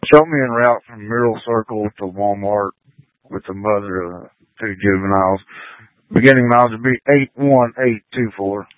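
Male patrol cop on police radio, low voice, tinny dry line, terse codes. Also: normal speed, no echo. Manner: clipped radio codes, low-key and matter-of-fact. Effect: police radio transmission. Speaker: police officer. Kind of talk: radio traffic with dispatch.

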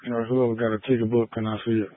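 A man's voice: mid-range voice, flat delivery, rapid-fire, no echo. A male police officer talking in terse, clipped codes over a police radio transmission. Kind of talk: radio traffic with dispatch. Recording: tinny dry two-way radio.

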